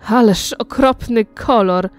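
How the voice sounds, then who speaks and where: A woman voicing a sharp-tongued young woman, an artist's model, in an audiobook reading, outspoken and scolding. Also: fairly high pitch, takes it slowly, soft background music.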